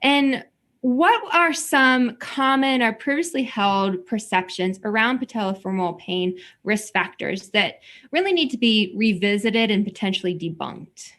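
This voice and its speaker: A woman hosting an interview podcast and asking her guests measured questions. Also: medium pitch, fairly bright tone. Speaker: podcast host.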